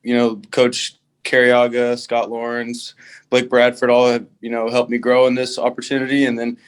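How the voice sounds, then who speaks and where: Young american man, rugby player, halting answers, lots of fillers. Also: medium pitch, completely flat delivery, clear, resonant tone. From United States. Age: young adult. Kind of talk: casual interview answers.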